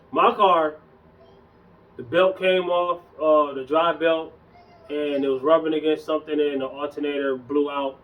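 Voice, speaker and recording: A young man casually talking in a relaxed, slangy way as a fitness vlogger, a bit hoarse from losing his voice. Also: fairly high pitch, recorded from a distance, rough recording. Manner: loose, conversational, slangy. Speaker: fitness YouTuber. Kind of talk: casual vlog chat.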